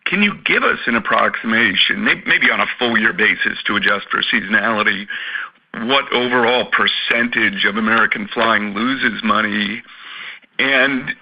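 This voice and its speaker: A man's voice: fairly low pitch, normal speed. A man asking a question as an analyst on an earnings call, hesitant and stammering into his phrases. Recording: dull conference call line.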